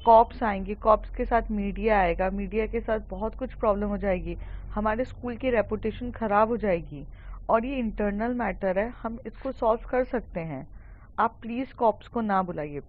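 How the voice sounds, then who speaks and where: A woman's voice: medium pitch, moderate pace, lightly acted. A worried schoolgirl, put on by a woman narrator, pleads with a teacher. She sounds much like the narrator herself, on a dull lo-fi recording.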